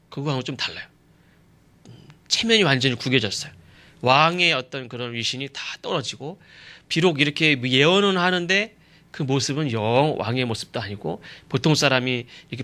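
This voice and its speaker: A man's voice: medium pitch, bright, forceful tone. A male pastor giving an expository sermon who keeps asking the congregation rhetorical questions and often uses fillers like "uh" and "yes".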